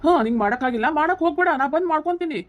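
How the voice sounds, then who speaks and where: Woman doing a young husband guy, north karnataka kannada accent, scolding nonstop, rapid fire, slightly high. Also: animated, muffled recording. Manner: scolding, insistent, lecturing. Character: heated young husband defending his wife against his mother.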